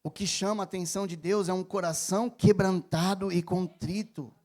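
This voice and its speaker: High-voiced Brazilian pastor in his thirties preaching; moves from quiet personal stories to loud, emphatic appeals. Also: steady tone, moderate pace. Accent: Brazilian Portuguese. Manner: personal storytelling, swings from soft confession to loud emphatic preaching. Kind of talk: sermon.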